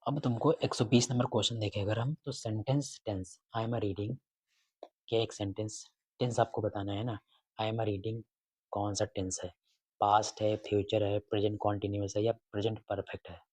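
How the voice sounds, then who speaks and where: A man with a low, slightly husky voice works through exam questions in a casual lesson. He repeats each item and quizzes his listeners as he goes. The recording is close and dry, with no room echo. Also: steady tone, normal speed, a little mellow. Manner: repeats questions and answers, asks students rhetorically. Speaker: exam prep teacher.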